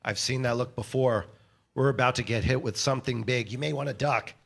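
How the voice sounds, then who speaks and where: A man's voice: mid-range voice, fairly quick, creaky. A man playing a wry, knowing sidekick in a staged comedy reading. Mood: wry warning.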